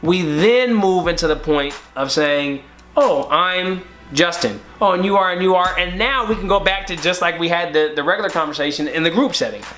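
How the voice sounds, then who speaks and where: A young man co-hosting a podcast, giving casual advice in a relaxed way, often restarting words and acting out sample conversations. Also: high-pitched, normal speed. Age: young adult. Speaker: podcast co-host.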